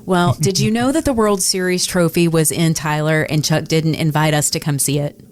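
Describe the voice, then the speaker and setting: A woman's voice: low-pitched, moderate pace, darkish tone. A woman co-hosting a casual chat show, talking with guests in a conversational way over a little ambient noise. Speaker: radio show co-host.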